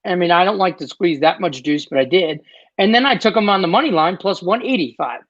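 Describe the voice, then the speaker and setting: A man's voice: sits high, expressive, brisk, a bit bright, no echo. A man co-hosting a podcast, talking sports bets in a blunt, wisecracking way. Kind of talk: casual betting talk. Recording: dull, dry mic sound.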